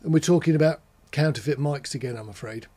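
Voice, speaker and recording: A man's voice: a little high, fast, dark tone, a little hiss or hum. A man giving a casual explainer as a presenter, talking in a matter-of-fact, conversational way, step by step. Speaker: presenter of an audio gear channel.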